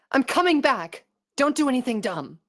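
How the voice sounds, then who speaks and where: Woman as a high-voiced, brash cartoon pegasus. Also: big pitch swings, measured pace, fairly bright tone, full character voice. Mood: defiant. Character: brash, loyal young female cartoon pegasus pony. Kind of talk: cartoon fan audio drama acting.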